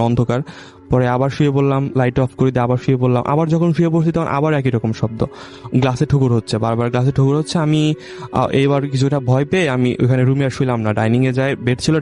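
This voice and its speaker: Young guy from bangladesh telling a scary story, soft dark voice, keeps tripping over his words, faint music under it. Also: medium pitch. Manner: halting, with many restarts and self-corrections. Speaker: caller sharing a true ghost story. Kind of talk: casual spoken storytelling.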